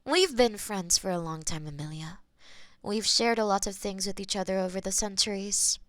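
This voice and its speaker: A woman's voice: mid-range voice, dry recording, studio quality, lightly acted. A woman playing a possessive demon mistress. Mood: firm. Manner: slow, intimate, possessive, softly spoken. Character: possessive centuries-old female demon mistress. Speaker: voice actor in audio roleplay. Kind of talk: scripted audio roleplay.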